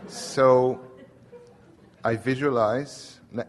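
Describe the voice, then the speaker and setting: A man's voice: mid-range voice, fairly even intonation, extremely slow, a little hiss or hum. A man from Lebanon, an audience member talking with a speaker on stage, earnest and hesitant. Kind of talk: conversation with a speaker.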